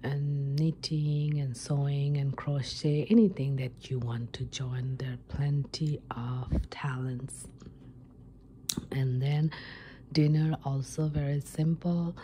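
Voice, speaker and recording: Obliging wellness receptionist, played by a woman, ASMR role play: unhurried whisper, very soft dark tone. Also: a bass voice, flat delivery, a little hiss or hum. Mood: soothing, informative. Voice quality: breathy whisper. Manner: halting, unhurried explaining.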